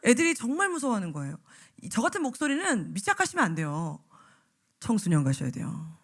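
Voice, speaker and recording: A woman evangelist giving a lively sermon to church teachers, often acting out the voices of teachers and children. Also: fairly high pitch, brisk. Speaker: evangelist preacher. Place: church sanctuary.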